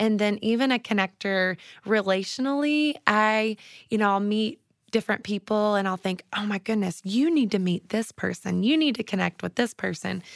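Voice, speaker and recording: On a very clean recording with a silent background, a woman with an unremarkable speaking voice and fairly high pitch talks at a moderate pace with ordinary pitch variation, the sound dry and close with no echo. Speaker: worship leader. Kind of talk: interview.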